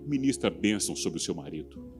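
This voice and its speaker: A man with a Brazilian Portuguese accent preaching a live church sermon, moving from loud, fervent exhortation to hushed, earnest passages. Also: deep voice, sing-song, fairly quick, over music. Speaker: pastor. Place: church service.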